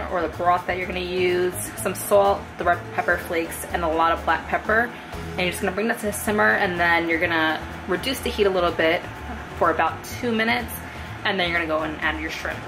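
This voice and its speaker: With clear music in the background, a woman at a fairly low pitch talks at a fairly quick pace with ordinary pitch variation. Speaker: home cook vlogger. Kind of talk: tutorial. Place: kitchen.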